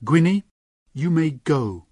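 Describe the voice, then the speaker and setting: A man voicing an earnest young lady, raised high. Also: animated, slow, dark tone, dry recording, clean studio sound. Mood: stern. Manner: pleading, emotional.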